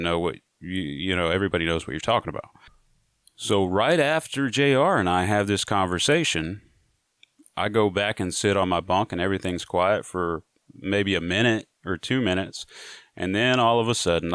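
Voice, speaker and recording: A man's voice: deep voice, fairly bright tone, clean tone, dry recording, studio quality. A man telling a prison story to his viewers in a casual, laid-back way, often saying "you know". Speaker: storyteller sharing prison stories.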